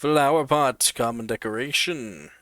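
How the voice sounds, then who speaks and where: A man's voice: medium pitch, unhurried, fairly bright tone, dry recording, soft background music. A man giving casual, playful commentary as he hosts a gaming video.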